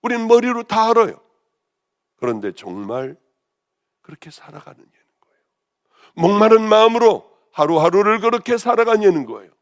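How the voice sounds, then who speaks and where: A woman pastor with a hoarse voice, preaching a sermon with passion, rising to loud exclamations and then dropping to hushed, almost whispered lines. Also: medium pitch, very animated, normal speed, long pauses. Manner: impassioned, swinging between raised exclamations and hushed near-whispers.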